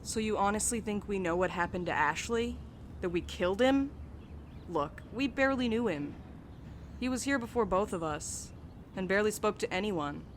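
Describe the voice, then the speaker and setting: A woman's voice: mid-range voice, expressive, moderate pace, close to an everyday voice. Blunt young woman mail carrier, acted, faint background noise. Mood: blunt, earnest. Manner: blunt, casual, teasing. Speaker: voice actor in audio drama. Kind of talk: naturalistic audio drama dialogue.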